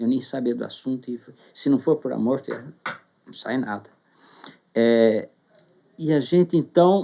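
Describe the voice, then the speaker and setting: With a dark, mellow tone and a medium pitch, a man speaks at a fairly slow pace with ordinary pitch variation and long, frequent pauses. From Brazil, Cotia, São Paulo state. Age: 70s. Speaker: ophthalmologist and former city councillor. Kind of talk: interview. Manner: halting, with repetitions.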